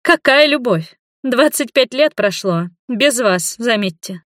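Woman doing a high, loud, tearful daughter yelling at her dad, dry close sound. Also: big pitch swings, slow pace, no echo, heavily acted. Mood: angry shouting. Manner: shouting, tearful, accusing. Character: young woman, bitter angry daughter.

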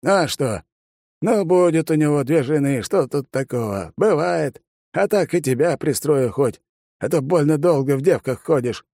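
Man doing a sly teasing old grandfather, raised high voice, joking manner, dry close recording. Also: lively intonation, moderate pace, dark tone, no echo. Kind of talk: audiobook character voice.

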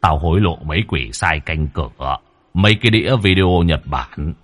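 A man's voice: low-pitched, animated, normal speed, a bit bright, pitched below the performer's own voice. A man voicing the ghost of a dead old man who urgently pleads for help. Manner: urgent, insistent.

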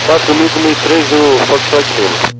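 A man's voice: fairly high pitch, moderate pace. A Brazilian man, an airline pilot, making procedural readbacks over aviation radio. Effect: aviation radio transmission. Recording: noisy humming cockpit radio.

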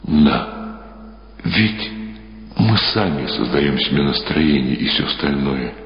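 A man's voice: extremely low pitch, lively intonation, pitched below the performer's own voice, full character voice. A man voicing a weary old father dung beetle. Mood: wistful. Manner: slow, weary and wistful. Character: aging gentle father dung beetle, melancholy. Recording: dull roomy archival radio recording with music.

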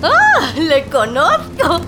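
Woman acting a shrill alarmed street gal, high voice jumping all over, horror audio drama with music behind. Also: huge pitch swings, very slow, full character voice. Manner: shrill, panicky.

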